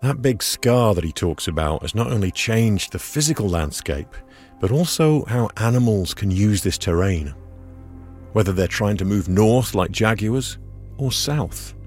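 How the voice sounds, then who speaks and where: Low-voiced man narrating a field report. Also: animated, normal speed, a little mellow, faint music behind. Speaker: radio reporter. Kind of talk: scripted documentary narration with field interviews. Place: outdoors at a border wall, in the hot sun.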